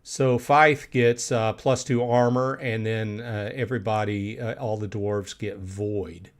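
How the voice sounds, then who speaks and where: Middle-aged man, halting casual stream chat. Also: fairly low pitch, fairly even intonation. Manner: halting, many uh fillers, reads chat aloud. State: clearing throat, coughing. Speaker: streamer host.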